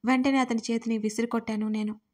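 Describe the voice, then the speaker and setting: A woman's voice: fairly high pitch, flat delivery, fast, darkish tone. A woman telling a dramatic audio story in the first person, as scripted narration.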